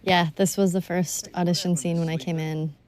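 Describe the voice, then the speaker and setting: A woman who acted in a video game, commenting in a relaxed, giggly way. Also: fairly low pitch, normal speed. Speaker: voice actress. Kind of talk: developer commentary.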